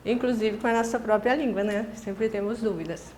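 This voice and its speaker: A woman's voice: on the high side, steady tone, normal speed, darkish tone, slight background noise. A Brazilian woman teaching a recorded Spanish lesson, explaining pronunciation with many fillers and restarts. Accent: Brazilian Portuguese. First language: Portuguese. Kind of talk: distance-learning lesson.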